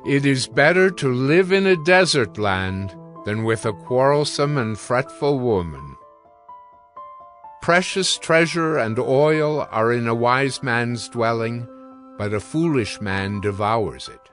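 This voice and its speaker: A man narrates scripture for a dramatized audio Bible. He reads at a slow, solemn, measured pace, with music playing faintly behind him. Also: mid-range voice, lively intonation, a bit bright. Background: background music.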